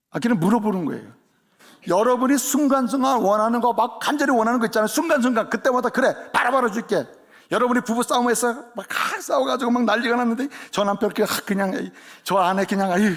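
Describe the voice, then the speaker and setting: A man preaching a sermon in a church, lively and conversational, often asking the congregation questions. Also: very high-pitched. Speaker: pastor. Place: church sanctuary.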